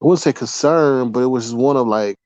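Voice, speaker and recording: A man's voice: medium pitch, fairly quick, a little mellow, dry recording, dull audio. A man on a live chat panel, casually critical and searching for his words.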